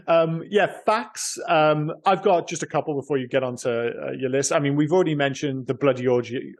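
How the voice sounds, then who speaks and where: A man's voice: on the high side, fairly quick. A British man co-hosting a film podcast, chatting loosely and rambling, with casual swearing. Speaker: podcast co-host.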